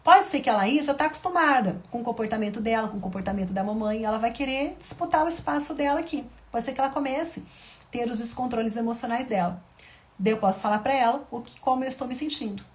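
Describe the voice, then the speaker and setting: Brief: woman, 30s, parenting educator, fairly high voice, explanatory and patient, checks in with listeners often. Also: quick pace. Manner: acts out gentle mother-to-child dialogues; frequent tag questions, explanatory. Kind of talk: teaching lesson to mothers.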